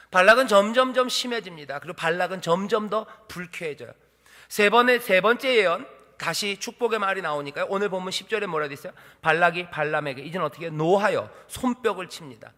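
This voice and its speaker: A male pastor preaching an animated sermon, firing rhetorical questions at the congregation. His voice sits high and rings bright. The sound carries the long reverb of a church hall. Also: fast talker.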